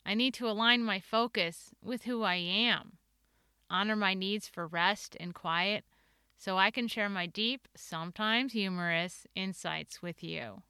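A woman's voice: medium pitch, unhurried, bright, forceful tone, clean tone, dry recording, studio quality. A woman in her forties with a Midwestern American accent, hosting a solo podcast in an upbeat, earnest and playful way. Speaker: podcast host.

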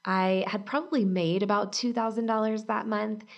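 A woman in her thirties hosting a casual solo podcast, upbeat and chatty, her voice husky from a cold. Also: medium pitch, fairly even intonation, normal speed. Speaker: podcast host and business coach.

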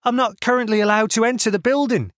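A man's voice: very high voice, fairly even intonation, quick pace, a bit bright, no echo, studio quality, voice pushed up. A man voicing a cheerful, awkward young man who talks with fussy, formal politeness. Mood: eager. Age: young adult. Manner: cheerful, eager, fussily polite.

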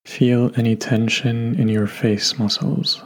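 A man guiding a meditation in a gentle, unhurried way, leaving long pauses between instructions. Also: medium pitch, little pitch movement. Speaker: meditation guide. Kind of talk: guided meditation narration. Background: soft background music.

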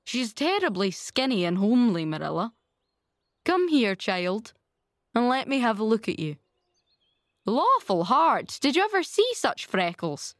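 A woman's voice: a little high, very animated, measured pace, no room sound, studio quality. Woman putting on a blunt, judgmental village busybody. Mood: blunt, scornful. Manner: outspoken, emphatic, solemn.

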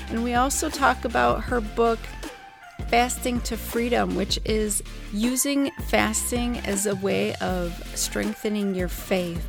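A woman's voice: medium pitch, vocal fry. An enthusiastic, chatty woman hosting a podcast in a friendly, upbeat way. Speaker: podcast host, interviewer. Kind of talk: podcast introduction and friendly interview. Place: small closet at home.

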